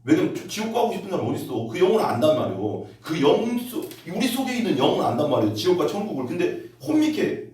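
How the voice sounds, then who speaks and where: A male pastor preaches in a big echoey church hall, his voice picked up from some distance. He tells stories and reads scripture, and his pitch climbs steeply when he gets worked up. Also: racing, few pauses. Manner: storytelling, rises sharply in pitch when excited. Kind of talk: sermon. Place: church sanctuary.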